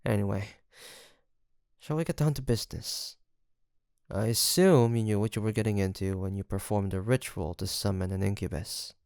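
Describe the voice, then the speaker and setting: A man's voice: fairly low pitch, normal speed, a little mellow, smooth, no echo, studio quality, lightly acted. A man playing a seductive, teasing incubus demon in an intimate audio roleplay, with a theatrical, flirtatious drawl and a smug, sweet-talking manner.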